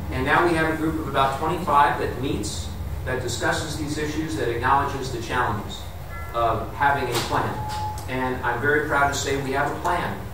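A man is heard with noticeable background noise and audible room echo. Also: ordinary pitch variation, moderate pace. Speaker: politician at town hall. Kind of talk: public speech. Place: hall. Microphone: podium.

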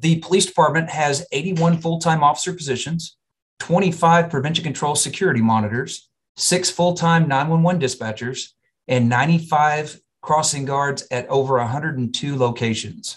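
Against a quiet background, a man speaks at a fairly slow pace in a somewhat breathy voice. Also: ordinary pitch variation. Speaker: presenter. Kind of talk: formal presentation. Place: office. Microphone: webcam.

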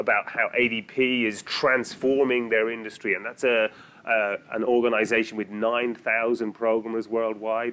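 A man speaks at a fairly slow pace in a flat monotone. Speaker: event host. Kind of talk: conference talk. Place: meeting room.

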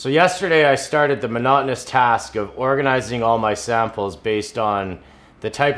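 The man's pitch variation is ordinary, and his pace is moderate. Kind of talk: casual vlog chat. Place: studio.

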